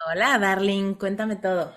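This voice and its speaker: Woman, Mexican accent, coaching host, animated storytelling, mid-pitched. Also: a little slow. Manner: animated storyteller, tags lines with "¿no?". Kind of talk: motivational coaching talk.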